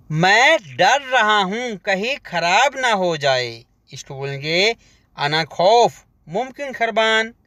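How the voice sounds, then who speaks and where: Guy doing a slow phrase lesson, higher voice, dry close sound, says everything twice. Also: fairly bright tone, dry recording. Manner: slow, repeats each phrase then explains word by word. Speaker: language teacher.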